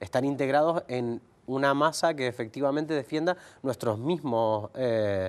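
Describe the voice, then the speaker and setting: A man's voice with ordinary pitch variation. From Canary Islands. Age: 40s. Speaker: politician. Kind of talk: interview. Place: studio. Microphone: lapel.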